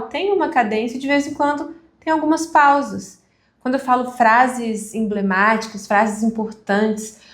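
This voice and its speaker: Woman teaching a speaking class, kinda high voice, chatty w/ pauses, echoey room. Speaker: communication instructor. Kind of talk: live online class.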